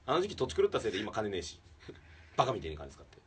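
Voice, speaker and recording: Male comedian podcast host with a deep, lively voice, animated storytelling with acted-out quotes. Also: rapid-fire, far from the mic, slight background noise. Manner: animated, acts out quotes, swings from loud outbursts to hushed asides. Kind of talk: casual storytelling chat.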